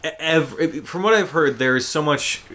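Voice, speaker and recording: A man's voice: on the high side, normal speed, bright, forceful tone. A man hosting a gaming show, giving casual gameplay commentary in an informal, enthusiastic fan's manner.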